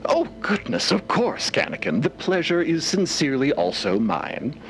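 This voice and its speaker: A man's voice: a little high, big pitch swings, normal speed, creaky, faint music behind. A man playing an optimistic, erudite cosmologist in an audio drama interview, with florid, theatrical phrasing. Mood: delighted, gracious. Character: eager, optimistic, erudite male professor and cosmologist.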